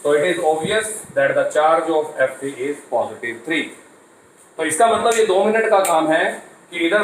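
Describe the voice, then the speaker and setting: A man lectures on chemistry, walking through each step and posing questions that he then answers himself. His voice sits a bit high for a man. He is recorded from a distance in an echoey room, with faint ambience behind him. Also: a bit bright, slight background noise. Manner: explanatory, asks and answers his own questions. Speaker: chemistry teacher. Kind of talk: classroom lecture mixing Hindi and English.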